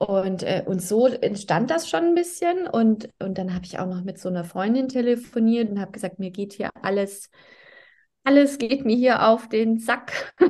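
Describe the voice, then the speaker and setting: A woman talks at a moderate pace with lively intonation. Her voice is fairly high and somewhat breathy. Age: 30s. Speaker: architect. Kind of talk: interview answers.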